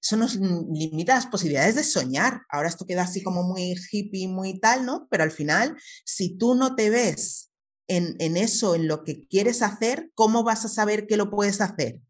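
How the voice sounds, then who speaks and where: A woman's voice: medium pitch, lively intonation, moderate pace. A middle-aged woman from Spain, a guest in an interview, explaining her views earnestly at length and often checking in with tag questions. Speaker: guest, writer and activist. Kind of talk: conversational interview answers.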